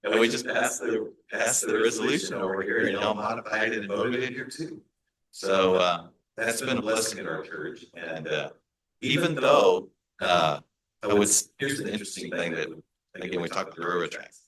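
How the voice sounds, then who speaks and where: A man with a low voice and a Hispanic American accent speaks as a pastor to a church meeting. His tone is bright and forceful, and he talks in a relaxed way, full of fillers and restarts. The sound bounces around an echoey meeting room. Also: normal speed, a little hiss or hum. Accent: Hispanic American English.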